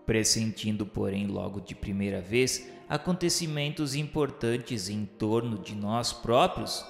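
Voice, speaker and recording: A man with a Brazilian accent giving a solemn, literary radio narration in a formal, declamatory, measured way. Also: mid-range voice. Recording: echoey hall-like reverb under music. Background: music.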